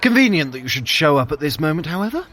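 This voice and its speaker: A man's voice: on the high side, very animated, fast talker, a bit bright. An actor playing a sly, haughty trickster god in an audio drama, theatrical and sarcastic, drawling his words. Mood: disdainful.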